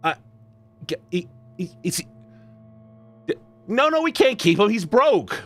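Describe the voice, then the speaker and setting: A man streaming a visual novel, talking to his chat in an animated, dramatic, joking way. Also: high-pitched, a little slow. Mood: excited. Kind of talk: casual live-stream chat while playing.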